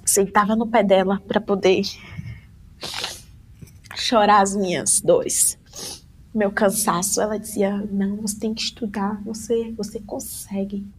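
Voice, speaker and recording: A young woman from tells a personal story in an interview, animated and acting out the voices she quotes. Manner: animated, acts out quoted voices with big pitch jumps. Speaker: interview guest.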